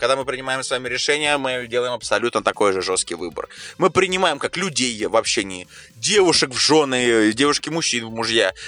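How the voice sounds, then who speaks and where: The speech moves at a fairly quick pace with lively intonation. The sound is dry and close with no echo, and background noise is noticeable. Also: man, medium pitch for a man. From Russia. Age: 30s. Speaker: podcast host. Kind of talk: spontaneous monologue.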